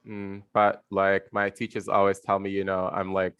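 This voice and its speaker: A very deep-voiced man on a dry video call, describing his singing to a teacher. He rambles casually, leaning on "like" and sometimes laughing at himself. The line sounds close and dead, with no room around him. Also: monotone, moderate pace, a bit bright, clear, resonant tone, no room sound. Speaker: voice student.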